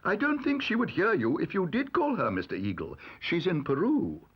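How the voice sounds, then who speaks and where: A polite, earnest young bear, as a man reading a storybook puts him on. His voice sits a little high and husky, sincere and literal. The sound is dull and lo-fi. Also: huge pitch swings, normal speed, full character voice. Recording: dull lo-fi audio recording.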